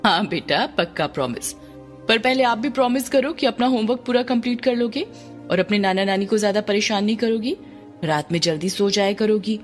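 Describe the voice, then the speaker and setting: A woman voicing a police officer mother who speaks gently and soothingly to her small daughter. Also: medium pitch, a little fast, soft background music, natural voice. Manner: soothing, then sharp. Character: police officer mother, firm but tender.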